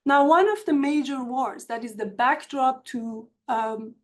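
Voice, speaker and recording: A woman with an Iranian accent, a university instructor giving a measured, earnest prepared talk in an online seminar. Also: high-pitched. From Iran. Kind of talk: academic webinar presentation. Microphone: computer mic on a video call.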